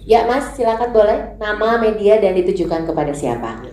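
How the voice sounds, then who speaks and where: Brisk woman moderating a press conference. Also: medium pitch, dark tone. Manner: brisk and polite. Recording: echoey hall, voice off mic.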